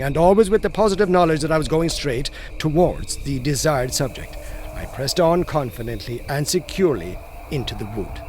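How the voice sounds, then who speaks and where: Man narrating a ghost story, fairly high. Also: a little hiss or hum. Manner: measured, atmospheric storytelling delivery. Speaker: audiobook narrator and horror author.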